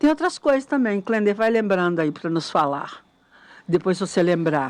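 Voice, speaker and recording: Very wide pitch swings mark the medium-pitched voice of a woman. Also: moderate pace, quiet background. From Belo Horizonte, Brazil. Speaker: radio host. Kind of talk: casual chat.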